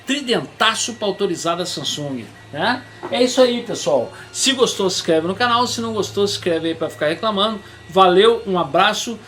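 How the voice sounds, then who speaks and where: A man's voice: high voice, lively intonation, normal speed, few pauses, a bit bright, soft background music. A man, the channel host, wrapping up the video for viewers with crude jokes.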